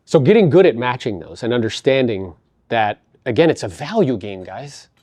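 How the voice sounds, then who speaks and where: A mid-pitched man hosts a podcast conversation, backing up his guest and getting lively when he retells a story. His voice is dry and close. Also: moderate pace, dry recording. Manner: affirming, energetic when retelling. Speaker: podcast host. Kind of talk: casual interview chat.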